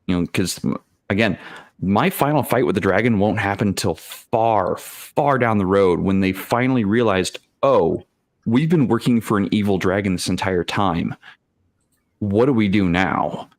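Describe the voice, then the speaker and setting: Low-voiced man in a casual panel chat. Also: unhurried, no room sound. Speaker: game master on a tabletop role-playing panel. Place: remote online video call.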